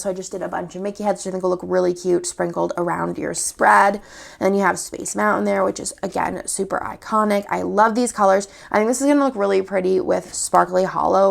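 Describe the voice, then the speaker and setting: A woman's voice: mid-range voice, creaky. A young woman, chatty and upbeat, showing off new sticker products while sniffly from a cold. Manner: chatty, upbeat, walks through items one by one. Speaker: sticker shop owner. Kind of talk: casual product showcase.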